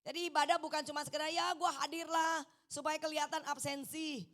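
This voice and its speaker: A middle-aged woman preacher with an East Javanese accent and a high voice. Her delivery is animated, and she mixes in Javanese phrases. She coaxes her congregation to answer her with amen. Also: quick pace. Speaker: evangelist preacher. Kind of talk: lively sermon. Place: church hall.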